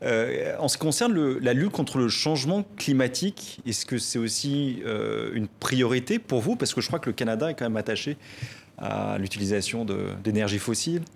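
A man's voice: mid-range voice, animated, normal speed, vocal fry. A man TV interviewer asking and pressing follow-up questions, repeating words as he starts.

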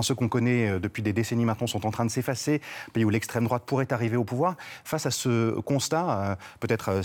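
A man's voice: mid-range voice, a little mellow. A man interviewing a guest, asking long, winding questions full of fillers. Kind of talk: broadcast interview.

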